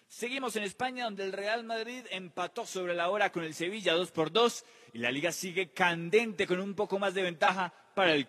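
A husky-voiced man presents a football round-up in a high register. His delivery is emphatic, with stretched words, and the recording carries long reverb. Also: a bit bright. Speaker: international football news presenter. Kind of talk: sports news round-up narration.

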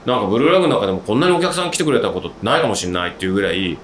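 A man's voice: fairly low pitch, rapid-fire, slight background noise. Talkative man chatting in an echoey room. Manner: talkative, rambling, animated storytelling. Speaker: podcast host, outdoor gear maker. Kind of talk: casual chat.

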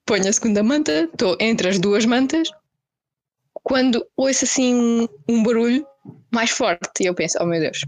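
A young woman with a European Portuguese accent, casually telling friends a story in slangy, animated style with acted-out quotes. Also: fairly high pitch, normal speed, dry recording.

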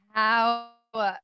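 A woman's voice: on the high side, pushed and bright. A young woman from Poland co-hosting a podcast, chatting casually and giggling often. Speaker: podcast co-host. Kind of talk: casual chat.

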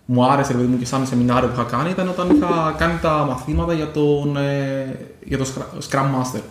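A man co-hosting a podcast, chatting casually and circling back with fillers and restarts. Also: medium pitch. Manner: rambling, many fillers and restarts. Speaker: podcast co-host. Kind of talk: casual chat. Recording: echoey room with faint noise.

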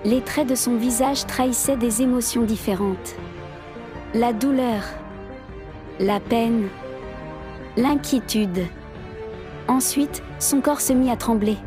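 A woman doing the scripted narration of an audio drama in a steady storytelling manner. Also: a little high, slow, long pauses, music in the background.

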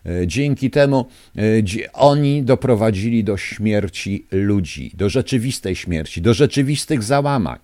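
A man's voice: fairly low pitch, lively intonation, a little slow, few pauses, dark tone, no echo. A male radio host rants angrily and indignantly at his listeners in a studio. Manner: angry, indignant ranting. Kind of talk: live radio talk to listeners. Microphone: studio microphone.

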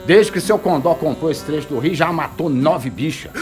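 A man's voice: a little high, animated, moderate pace, a little mellow, soft background music, close to an everyday voice. An actor playing a cranky, swaggering, foul-mouthed gunman in a radio drama, with a rural northern Minas Gerais accent. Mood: grumbling. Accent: rural northern Minas Gerais Brazilian. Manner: grumbling, colloquial, cursing.

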